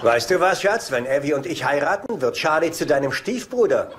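Childishly stubborn old romantic, cheerful, oblivious, lively intonation, TV comedy dub. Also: male voice, on the high side, brisk. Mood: stubbornly happy. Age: older. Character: besotted, childishly stubborn, deluded older father. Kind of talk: German sitcom dubbing. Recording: noisy TV soundtrack with ambience.

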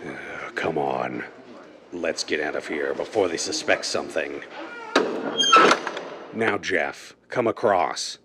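A man's voice: very deep voice, slow, pauses often, heavy background noise, full character voice. A man playing a curt, suspicious crime boss in a 1930s style radio drama, bossy and threatening. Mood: menacing suspicion.

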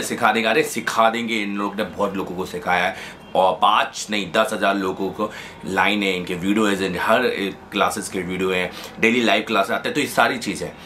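A man's voice: lowish voice, fairly bright tone, slight background noise. A man who teaches mobile phone repair, giving an emphatic, repetitive, colloquial promotional talk to camera, mixing in English words.

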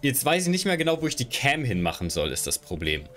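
A young man streams from his room on a headset mic, chatting loosely with viewers as he shifts his camera and gear around. His mid-range, slightly bright voice swings widely in pitch and moves fast, with soft music playing in the background indoors.

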